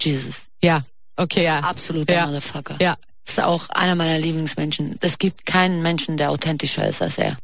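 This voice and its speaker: A woman's very deep, low pitch at a fairly quick pace. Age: 20s. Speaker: radio host. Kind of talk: casual chat. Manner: animated.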